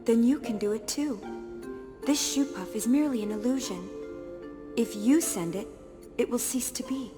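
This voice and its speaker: An actress playing a reserved, weary young priestess in a radio drama, formal and measured. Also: female voice, fairly high pitch, in a large hall, natural voice. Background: music.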